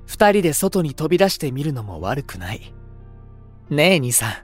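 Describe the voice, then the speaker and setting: A man playing a gentle, pure-hearted younger twin in a voice drama, speaking softly and coaxingly. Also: a little high, very animated, moderate pace, faint music behind. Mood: gently coaxing. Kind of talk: Japanese voice drama acting.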